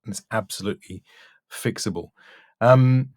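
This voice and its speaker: A man's voice: fairly low pitch, moderate pace, a little mellow, no echo, studio quality. A man giving a spoken critique as a voice-over coach, blunt but encouraging, with emphatic delivery. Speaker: voice-over demo coach and reviewer.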